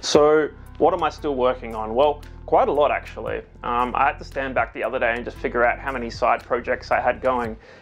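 A man talks at a fairly quick pace, with faint music in the background. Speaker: channel host. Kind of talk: casual vlog chat. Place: home room. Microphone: lapel.

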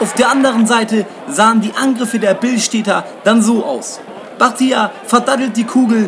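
Noticeable background noise sits under an animated tone delivered at a moderate pace. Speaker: sports reporter. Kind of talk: sports commentary. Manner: animated, punchy and colloquial, with jokes and vivid play-by-play.

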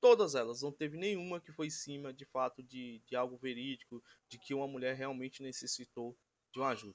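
Big swings in loudness mark a man's speech at a fairly quick pace. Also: ordinary pitch variation. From Brazil. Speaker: YouTuber commentating on public figures; commentator. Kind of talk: casual commentary monologue. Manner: halting, many fillers. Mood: critical, sarcastic.

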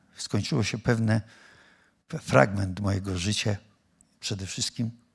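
Over a quiet background, a man with a fairly low, somewhat breathy voice speaks at a moderate pace with ordinary pitch variation. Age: 70s. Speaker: photographer and book author; guest. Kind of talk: public talk interview; interview answer. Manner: halting. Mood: calm, reflective. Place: studio. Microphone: handheld.

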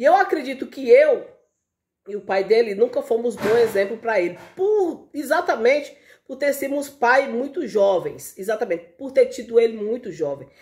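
Over a quiet background, a high-pitched woman talks in an animated tone, with very wide pitch swings and big swings in loudness. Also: moderate pace. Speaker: vlogger. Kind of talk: casual vlog monologue to viewers. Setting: at home. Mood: earnest, at times smiling. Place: home room. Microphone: phone near.

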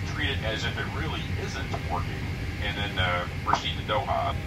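A man speaks at moderate speed with loud noise in the background. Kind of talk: public announcement. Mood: calm and reassuring. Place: plane. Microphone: pa.

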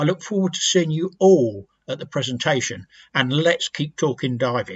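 A man with a British accent speaks at a fairly high pitch and a moderate pace. His voice is somewhat breathy over a quiet background. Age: 70s. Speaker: retired police training director, adaptive diving instructor. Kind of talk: conference speaker introduction. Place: home room. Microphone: webcam.

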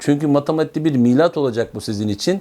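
A man speaks in a dark, mellow tone. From Istanbul, Turkey. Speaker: math teacher. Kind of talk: channel introduction, direct address to students. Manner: hesitant fillers.

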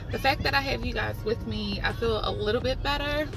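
Music sits clearly in the background behind a woman's voice. The sound is dry with no echo. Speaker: vlogger. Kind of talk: casual vlog chat. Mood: a little nervous, chatty. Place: car. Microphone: phone near.

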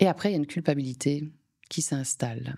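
A woman talks with a slight Belgian accent against a quiet background. Her voice is very deep and low, with a dark, mellow tone. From Belgium, Liège region; Belgium. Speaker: dietitian; guest. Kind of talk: interview. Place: studio. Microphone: studio mic.

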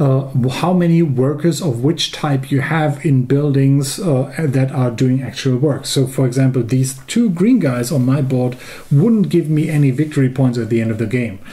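The speaker has a German accent and keeps a moderate pace with ordinary pitch variation and very even loudness. Noticeable background noise is present. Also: man, fairly high pitch for a man. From Germany. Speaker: board game podcast co-host. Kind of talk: casual chat. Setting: studio. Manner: joking.

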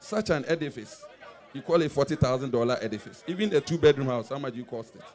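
Crowd noise fills the background as a man talks at a fairly quick pace with a Ghanaian accent. His pitch varies in an ordinary way. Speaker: parliamentary candidate. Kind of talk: political debate. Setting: outdoor community gathering.

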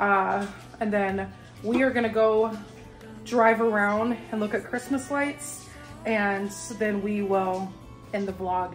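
Clear music plays behind a woman as she talks. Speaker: vlogger. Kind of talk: casual vlog chat. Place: kitchen. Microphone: phone near.

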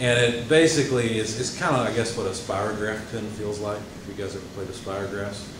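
Over noticeable background noise and audible room echo, a man with a fairly low pitch talks at a fairly quick pace with ordinary pitch variation and hardly any pauses. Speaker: instructor. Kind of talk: lecture. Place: classroom. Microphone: camera far.

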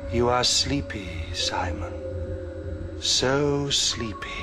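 A man with clear music in the background. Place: studio.

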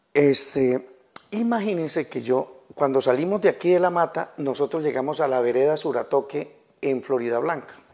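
A quiet background lies behind this man. He keeps a moderate tempo, with ordinary variation in his pitch. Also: fairly high pitch for a man. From Colombia, Santander (Bucaramanga / Floridablanca); Santander, Colombia. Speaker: radio communicator and producer; interview guest. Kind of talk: interview. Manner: halting, many repetitions. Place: studio. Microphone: lapel.

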